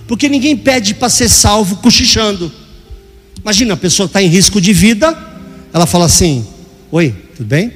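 An older male pastor preaches with drama, slipping into acted voices and sudden shouts. His voice sits fairly high. It rings through a reverberant church hall while soft music plays underneath. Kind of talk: sermon.

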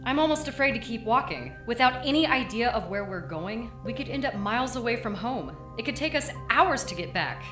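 A woman's voice: a little high, expressive, fairly quick, hardly any pauses, fairly bright tone. Woman acting as a worried lost woman, voice swings up and down a lot, echoey room. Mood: anxious. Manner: fretful, voices fears aloud. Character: anxious, worried woman lost in dark halls. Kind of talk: audio drama acting. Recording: echoey room with music behind.

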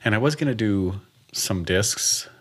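A man hosting a podcast in casual chat, joking and animated, laughing often. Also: lowish voice, a little slow, breathy edge. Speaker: podcast host.

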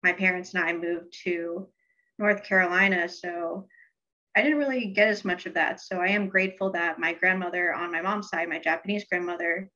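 A young woman talks as a podcast guest in a steady, thoughtful way. Her voice is fairly low but bright and forceful. The recording sounds dull and lo-fi. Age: young adult. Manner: thoughtful, steady, some ums. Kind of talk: casual interview chat.

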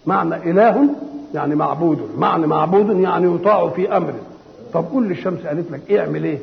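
An older man with an Egyptian accent gives a conversational Quran commentary, asking and answering his own questions and reciting verses slowly and solemnly. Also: a little high, creaky. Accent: Egyptian Arabic. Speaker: Islamic scholar giving Quran commentary. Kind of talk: colloquial Quran exegesis lecture. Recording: dull lo-fi recording with long hall reverb.

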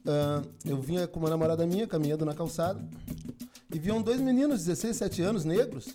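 Male co-host, high-ish voice, earnest conversational tone, music bed. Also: fairly quick. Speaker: podcast co-host. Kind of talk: casual chat.

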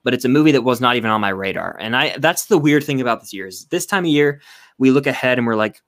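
A young man co-hosts a podcast, talking quickly in a mid-range voice. He rambles and hedges with lots of "like". The recording is close and dry. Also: mid-range voice, expressive, fairly bright tone, dry recording. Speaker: podcast co-host. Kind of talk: casual chat.

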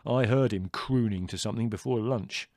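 A man's voice: fairly low pitch, normal speed, darkish tone, no echo, clean studio sound, pitched above the performer's own voice, natural voice. A man voicing a sour, complaining young brother with a grievance in an audiobook. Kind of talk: audiobook character dialogue.

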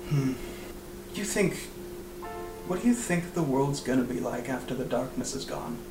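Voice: mid-range voice, expressive, normal speed. A playful tabletop player jokes and describes their moves. The voice swings up and down a lot. The recording is echoey and slightly distant, with music underneath. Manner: playful, joking. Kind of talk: casual game table chat. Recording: roomy, off-mic, music behind.

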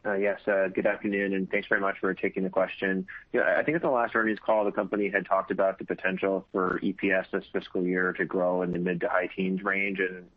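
A male analyst asks polite, hesitant questions on an earnings call. His voice is very low and flat, coming through a narrow, tinny phone line. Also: fairly quick, hardly any pauses, no room sound. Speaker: financial analyst asking questions.

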